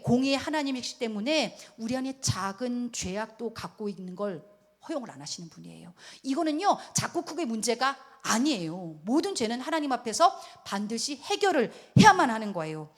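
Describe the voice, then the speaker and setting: A middle-aged woman pastor preaching a sermon in an animated way, acting out quoted voices and laughing often. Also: fairly high pitch, brisk.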